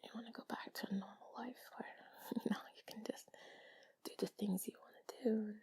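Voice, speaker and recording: A woman talking intimately and soothingly to the listener in a soft, breathy, mostly whispered ASMR style, rambling in a confiding way close to the mic. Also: a little high, steady tone, moderate pace. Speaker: intimate comfort audio creator.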